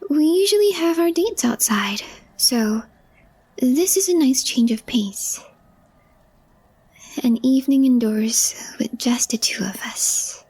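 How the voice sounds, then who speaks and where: Woman acting as calm reserved girlfriend, high mellow voice, soft and half-whispered, affectionate, intimate ASMR roleplay. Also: slightly rough, full character voice. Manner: soft, understated, often dropping to a whisper.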